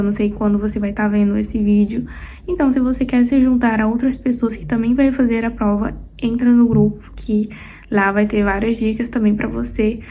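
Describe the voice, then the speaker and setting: A young Brazilian woman with a Brazilian Portuguese accent, tutoring for a Spanish exam in a casual, chatty way, often pausing on fillers and restarting her sentences. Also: a little high, mellow. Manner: chatty, loose, with frequent hesitation fillers and restarts. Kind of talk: casual explanatory talk to camera.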